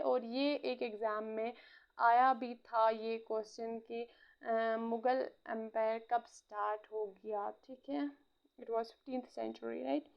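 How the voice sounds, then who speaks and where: A woman gives an exam-prep history lecture in a slightly high voice. She keeps pausing to check in with her students and drops English phrases into her explanations. The recording sounds dull and muffled. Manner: frequent "theek hai" check-ins, mixes English phrases. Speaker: teacher.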